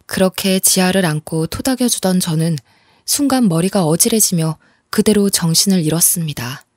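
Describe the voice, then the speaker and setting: A woman narrating a dramatized true story in the first person, calm and steady. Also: fairly low pitch, slightly rough, dry recording, studio quality.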